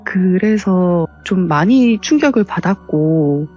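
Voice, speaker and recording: A woman's voice: lowish voice, lively intonation, slow, mellow, dull audio. A woman politely telling her own ghost story in a conversational, explanatory way. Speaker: caller telling a personal story. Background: background music.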